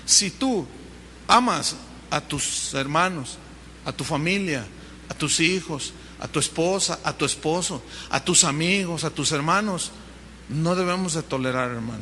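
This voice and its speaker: A man's voice: fairly high pitch, bright, forceful tone, slight background noise. A man with a Mexican Spanish accent preaching a sermon as pastor, telling the story vividly and acting out the dialogue. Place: church hall. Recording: long reverb of a large hall.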